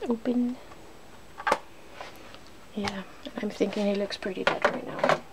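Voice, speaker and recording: Noticeable noise sits behind this woman's voice, which has an average female pitch. She hosts an ASMR video and talks in a casual, informal way, as if chatting to viewers while busy with her hands. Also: fairly even intonation, slow. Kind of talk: ASMR, casual chat while doing makeup.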